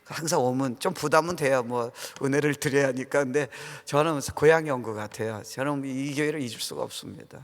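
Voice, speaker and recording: A middle-aged man with a mid-range voice preaches a conversational revival sermon as a guest pastor, talking fairly quickly with few pauses. He's informal and earnest, often putting questions to the congregation in a large church sanctuary, and the sound is reverberant like a church hall.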